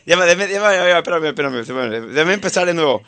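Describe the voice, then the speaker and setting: A man from Venezuela hosting a casual Christian radio show, chatty and quick to laugh, with plenty of fillers. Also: a little high, crowd noise. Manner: animated, laughs easily, many fillers. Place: radio studio.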